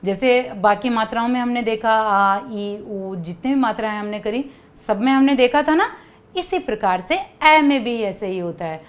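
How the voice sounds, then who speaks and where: High-voiced woman teaching children. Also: expressive, normal speed. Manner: coaxing, asks kids to repeat. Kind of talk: children's lesson.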